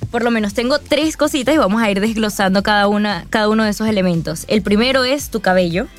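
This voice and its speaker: A woman's voice: mid-range voice, quick pace, soft background music. A Venezuelan woman who is a guest on a radio show, friendly and explanatory, laughing often. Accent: Venezuelan Spanish. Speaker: guest image adviser. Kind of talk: casual radio interview chat.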